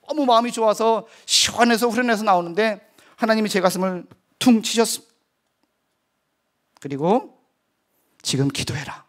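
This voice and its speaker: A middle-aged man preaching a sermon testimony in a fairly high voice. He tells his story in an earnest, vivid way, speaking as a missionary to his congregation. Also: normal speed, long pauses, a bit bright.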